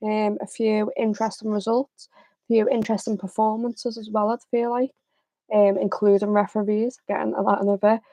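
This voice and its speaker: A young woman hosting a football livestream, chatting casually with a slightly raspy voice and plenty of fillers. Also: mid-range voice, moderate pace, no echo. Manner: chatty, relaxed, many fillers. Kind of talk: casual live chat.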